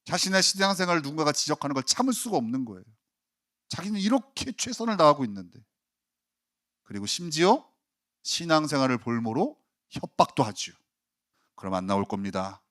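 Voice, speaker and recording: A man's voice: a little high, very animated, a little fast, fairly bright tone. A male pastor preaching a sermon, acting out quoted complaints in a dramatic way and building up in intensity.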